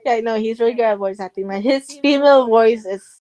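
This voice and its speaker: A woman's voice: a little high, a little fast, dark tone, lo-fi sound. A woman with an Asian American accent chats casually as a guest. She rambles, restarts her sentences and often breaks into small giggles. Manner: rambling, hesitant, many ums, giggly. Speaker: podcast guest. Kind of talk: casual chat.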